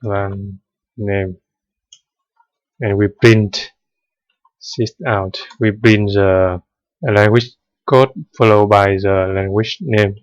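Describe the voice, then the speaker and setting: A man's voice: lowish voice, steady tone, very slow, pauses often, smooth, no room sound, lo-fi sound. A man whose first language is Vietnamese, explaining code step by step in a screen-recorded tutorial with many hesitant fillers. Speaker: programming tutor.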